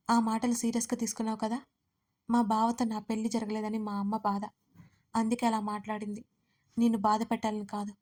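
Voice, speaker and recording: A tearful, fiery young wife from an audio storybook, as a woman storyteller puts her on, sobbing and scolding by turns. Her voice sits fairly high but stays level in tone. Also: a little mellow, lightly acted. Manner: sobbing, pleading then scolding.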